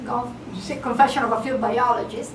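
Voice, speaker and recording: A woman speaks at a high pitch with lively intonation in a strong Italian accent. Noticeable background noise and audible room echo surround her voice. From Italy. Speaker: marine biologist. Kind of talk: lecture. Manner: hesitant, frequent uh fillers.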